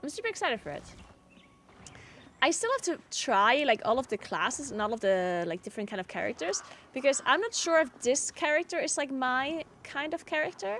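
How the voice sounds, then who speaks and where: Woman, game streamer, fairly high voice, relaxed chatty delivery, lots of fillers. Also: normal speed, a little hiss or hum. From South Tyrol, Italy. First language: German. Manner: chatty, answers chat, frequent "like" fillers. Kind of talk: casual chat while gaming.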